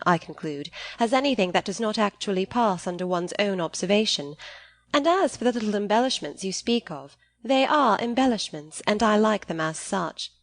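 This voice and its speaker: A woman voicing a sensible, gently wry young lady in an audiobook, composed and articulate with formal phrasing. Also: medium pitch, no echo, close to an everyday voice.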